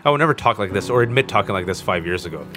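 A man in his forties talking candidly as an interview guest, earnest and animated, with self-mocking storytelling. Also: on the low side, rapid-fire, soft background music. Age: 40s. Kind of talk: candid conversation.

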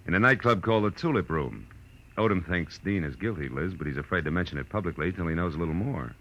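An actor with an American accent playing a tough, wry private detective in a clipped, sardonic 1940s radio drama style. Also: male voice, low voice, expressive, fast talker, fairly bright tone, full character voice. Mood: dry. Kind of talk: 1940s radio detective drama acting and first-person narration. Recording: dull old radio recording, music behind.

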